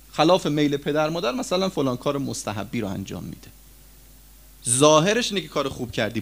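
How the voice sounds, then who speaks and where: A man preaching a sermon to his listeners, with sudden loud rises and low drops as he addresses them as friends. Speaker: cleric preacher.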